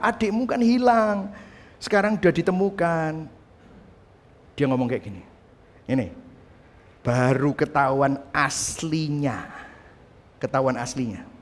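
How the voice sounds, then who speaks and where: A man preaching a sermon as pastor, animated, asking the congregation rhetorical questions and acting out quotes. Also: a little high.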